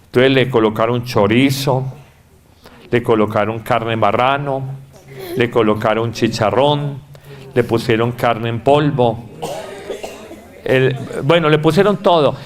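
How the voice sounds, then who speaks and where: A man's voice: mid-range voice, measured pace, long pauses. A Catholic preacher with a Colombian Paisa accent gives an emphatic sermon, repeating his key phrases and acting out the voices he quotes. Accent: Colombian Paisa (Antioquia).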